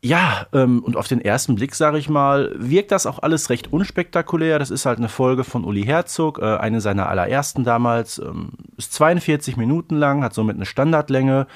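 A man's voice: mid-range voice, animated, normal speed, few pauses. Jokey man podcast co-host. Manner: jokey, hesitant with many ähms. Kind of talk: casual podcast chat.

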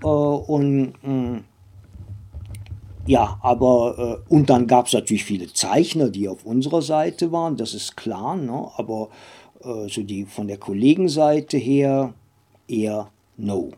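An older man recounting memories in an interview, speaking haltingly with many drawn-out hesitations and little tag questions. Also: medium pitch, dark tone, husky. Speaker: interview guest, former comics editor and publisher.

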